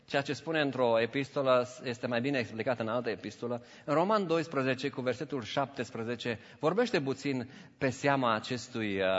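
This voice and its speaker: A man preaching a sermon, telling stories and acting out the voices in them, with English phrases mixed into his preaching. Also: mid-range voice. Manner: animated storytelling, acts out voices in anecdotes. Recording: dull audio with long church reverb.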